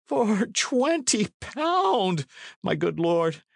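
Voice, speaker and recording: A man's voice: high-pitched, very animated, very slow, vocal fry, no echo, clean studio sound, pitched above the performer's own voice, full character voice. A man voicing a poor, cringing old peasant in a storybook, servile and pleading as he protests. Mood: distressed, protesting.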